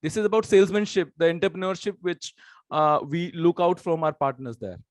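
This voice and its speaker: Quick man, dry close sound. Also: on the high side, dry recording. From Hong Kong. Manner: quick, mixes Hindi and English, repeats words. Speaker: franchise company guest. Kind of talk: webinar interview.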